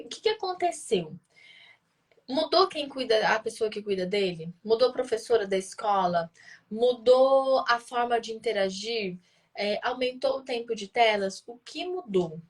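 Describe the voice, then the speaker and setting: A woman answers parents' questions in a live session, explaining patiently and posing rhetorical questions she then answers. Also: a little high. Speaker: child speech-development educator answering parents' questions.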